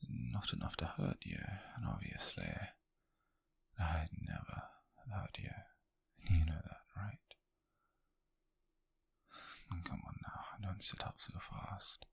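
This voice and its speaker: A man performs a possessive, lovesick British coworker turned captor in an intimate ASMR roleplay. His low voice is extremely breathy and husky, often sinking into whisper. He coaxes slowly and tenderly, with an obsessive edge. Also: wildly swooping pitch, heavily acted. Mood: soothing, coaxing. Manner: slow, coaxing, hushed, intimate with pauses.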